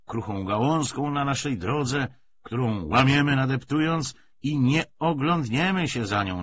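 A man reading an audiobook, voicing a weary, cynical, persuasive Bolshevik official with emphatic, hesitating, rhetorical speech. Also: medium pitch. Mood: dismissive, confident. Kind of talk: dramatised audiobook dialogue. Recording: dull lo-fi audio, faint noise.

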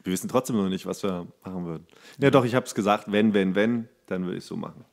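A man's voice: sits low, fast, vocal fry. A man co-hosting a casual comedic podcast, telling stories in slang and acting out imagined quotes. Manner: slangy, animated storytelling with acted-out quotes. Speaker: podcast co-host.

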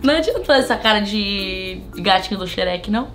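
A woman's voice: mid-range voice, animated, fairly quick, over music. A young woman hosting a casual vlog on a couch, teasing and laughing often. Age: young adult. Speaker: vlog host. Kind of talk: playful casual chat. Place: indoors on a couch.

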